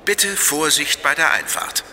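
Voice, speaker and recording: A man playing a formal, measured German railway station announcer making scripted platform announcements. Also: on the high side, big pitch swings, pushed and bright, a little hiss or hum, full character voice. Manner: formal, clearly scripted, repeating details. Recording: long hall reverb.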